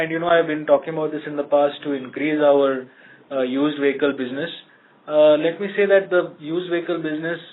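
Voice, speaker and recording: A man with an Indian accent answering questions as a company executive on an earnings call, measured and explanatory, pausing often mid-phrase. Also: fairly high pitch. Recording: muffled band-limited conference call line.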